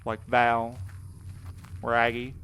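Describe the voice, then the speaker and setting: A man's voice: medium pitch, monotone, slow, fairly bright tone, slight background noise. A man playing a wry, exasperated, wary supernatural mail courier in an audio drama, talking in a colloquial, needling way. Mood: bitter, accusing.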